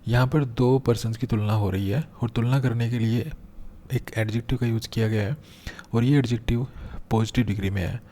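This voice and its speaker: A man teaching English grammar in a lesson, explaining patiently step by step and slowing down to read out example sentences. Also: medium pitch, fairly even intonation, mellow. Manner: patient, step-by-step, repeats key points.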